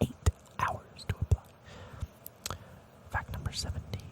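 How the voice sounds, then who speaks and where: A man whispers at a moderate pace. The sound is dry and close with no echo, and there is noticeable background noise. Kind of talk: ASMR movie fact reading. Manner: whispered.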